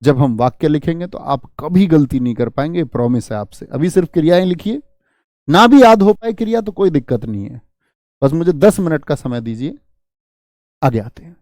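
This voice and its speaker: A man's voice: fairly high pitch, animated, normal speed, a little mellow, dry recording, clean studio sound. A man teaching a grammar lesson, asking his students questions and answering them himself. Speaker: Hindi teacher.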